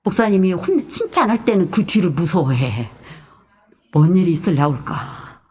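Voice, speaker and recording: A middle-aged woman pastor preaching an animated sermon, moving between loud exclamations and hushed, whispered asides. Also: fairly low pitch, moderate pace, breathy edge.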